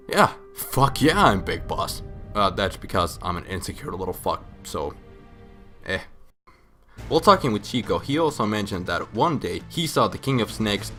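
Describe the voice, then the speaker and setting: A low-voiced man narrates like a drunk friend retelling a story, loose and rambling. He is crude and sarcastic, swears freely, and has music playing faintly behind him. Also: fairly bright tone. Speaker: host of a comic video game storyline recap. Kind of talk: casual comedic narration, profane and rambling.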